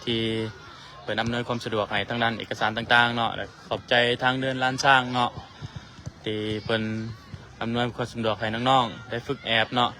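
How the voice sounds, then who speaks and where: A man with a Lao accent hosting a livestream, formally thanking sponsors and officials in a measured way. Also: mid-range voice, little pitch movement, bright, forceful tone, a little hiss or hum. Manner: formal and measured, full of tag particles. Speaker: livestream host.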